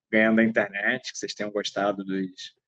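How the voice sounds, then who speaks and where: This man speaks in a Carioca accent. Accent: carioca Brazilian Portuguese. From Rio de Janeiro, Brazil. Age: 30s. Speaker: political marketing professor. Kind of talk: interview.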